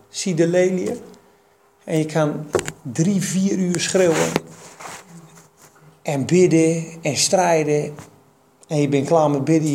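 A man with a high, gravelly voice teaches the Bible to a gathered group in an easy, conversational way. He quotes verses and tells stories, restarting sentences and filling pauses as he goes. The recording is echoey, with faint background hiss. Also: darkish tone. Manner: conversational, quotes scripture, many fillers and restarts. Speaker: preacher. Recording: echoey room with faint noise.

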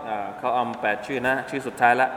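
A man teaching a religious lesson at a mosque, chanting Arabic verses slowly between lively explanations and quick self-corrections. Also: medium pitch. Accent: Southern Thai. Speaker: Islamic teacher. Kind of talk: mosque lesson with Quran recitation. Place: mosque hall. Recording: echoey hall with faint hiss.

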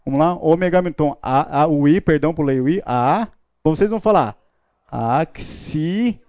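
A playful man teaches a live class, his voice mellow and a touch high. The sound is dry and close, with no room echo. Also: moderate pace. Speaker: Bible teacher. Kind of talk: classroom lecture.

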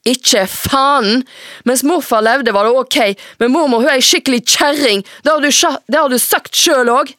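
A woman's voice: sits high, no room sound, studio quality, pitched above the performer's own voice. Woman doing a furious, swearing teenage girl. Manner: shouting, swearing, defiant. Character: angry defiant teenage girl.

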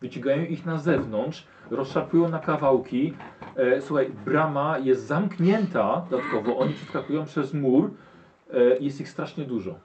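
A man's voice: mid-range voice, moderate pace, a little mellow, far from the mic. A man running a tabletop role-playing game, describing the action and prompting the players. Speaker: game master. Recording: muffled lo-fi recording with faint hiss.

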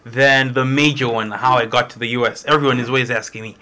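A man's voice: medium pitch, fairly even intonation, fast, pushed and bright. A young man, telling his own story to a small group in an informal, conversational way. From Malawi. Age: young adult. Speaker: international student speaker. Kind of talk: personal testimony to a small group.

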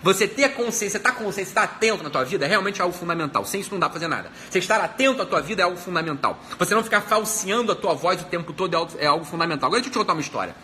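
Brazilian guy, psychiatrist doing a self-help talk, high voice, talks fast, blunt and swears a lot, hammers his points again and again. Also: expressive, pushed and bright, slight background noise. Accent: Brazilian Portuguese. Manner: blunt and profane, emphatic repetition.

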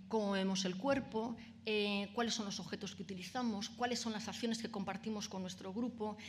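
A woman's voice: mid-range voice, a little hiss or hum. A woman with a Peninsular Spanish accent giving an academic lecture, explaining step by step and checking in with frequent tag questions and fillers. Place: lecture room with audience.

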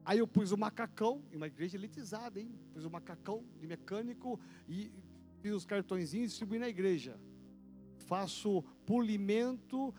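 Pastor guy, pretty high voice, animated storytelling with little sound effects, soft music under it. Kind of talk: storytelling sermon.

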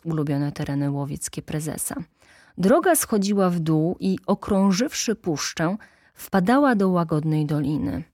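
A woman narrating an audiobook in a calm, measured way. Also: low voice, dry recording, studio quality. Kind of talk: audiobook reading.

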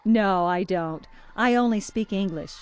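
An actress playing a friendly, chatty child care worker who answers a reporter's questions. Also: female voice, mid-range voice, measured pace, clean tone, some chatter behind, lightly acted. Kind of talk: scripted interview answers.

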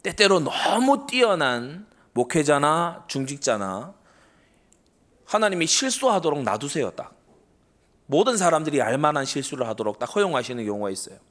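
A man's voice: a little high, big pitch swings, normal speed, fairly bright tone. A middle-aged man preaching a Sunday sermon to his congregation, earnest and emphatic, often asking rhetorical questions and answering them. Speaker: pastor.

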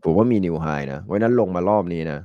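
A man's voice: sits low, fast talker, no echo, dull audio. A middle-aged man with a stuffy nose from a cold, chatting casually and rambling on a talk show. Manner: rambling, chatty, laughs often. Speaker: market analyst guest.

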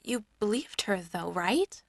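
A woman playing an earnest, quietly stubborn daughter, a young adult who speaks in short, pointed remarks in an audio drama. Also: medium pitch, animated, slow, vocal fry, dry recording, clean studio sound. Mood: earnest, troubled. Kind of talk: naturalistic audio drama acting.

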